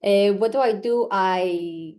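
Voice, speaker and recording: A woman's voice: medium pitch, slow, a little mellow. A woman in her forties from Ecuador, a native Spanish speaker with an Ecuadorian accent, talking casually as an interview guest. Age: 40s. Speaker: podcast guest, vocal sound healer.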